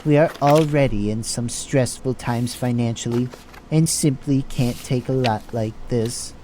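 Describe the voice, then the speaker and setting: A man's voice: mid-range voice, unhurried, mellow, lightly acted. A man voicing a cold, stern hospital boss in an audio drama, speaking formally and bluntly. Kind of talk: amateur audio drama acting. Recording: noisy track.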